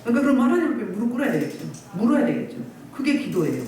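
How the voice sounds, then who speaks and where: A woman's voice: fairly high pitch, very animated, racing, dark tone. Exhorting woman pastor, echoey hall. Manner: scolding, exhorting, rhetorical questions. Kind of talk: sermon. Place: church hall. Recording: echoey distant church recording, faint noise.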